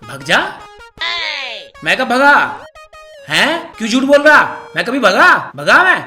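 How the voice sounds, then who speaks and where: A man's voice: high voice, animated, moderate pace, pushed and bright, soft background music. A man playing a deaf, lazy grown son who mishears and grumbles, in a Haryanvi accent. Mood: indignant. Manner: mishears words, grumbling, indignant.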